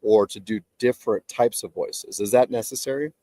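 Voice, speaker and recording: A man hosting an interview, his voice stuffed up and nasal and sounding dry and close. He asks relaxed, conversational questions over a video call from outdoors, at a middle pitch. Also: normal speed, no room sound. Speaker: host. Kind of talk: interview, casual chat.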